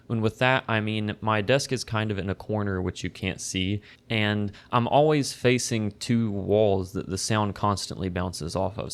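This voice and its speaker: A man casually reviewing gear from his home desk, talking in a relaxed, conversational, self-deprecating way into a close desk microphone. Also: fairly low pitch. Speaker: tech reviewer. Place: home desk in a corner facing two walls. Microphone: close condenser desk mic.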